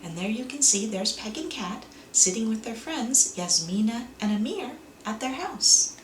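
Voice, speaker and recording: Animated woman reading a storybook, roomy sound. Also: a little high. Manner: expressive, deliberate. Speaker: children's book author and co-reader. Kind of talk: animated read-aloud storytelling for children. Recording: roomy echo, faint background noise.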